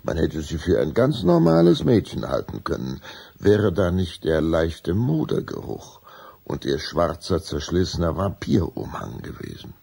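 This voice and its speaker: A man narrating a children's vampire audio drama as a deliberate, suspenseful storyteller. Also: deep voice, very animated, creaky, dark tone, slightly rough, exaggerated voice.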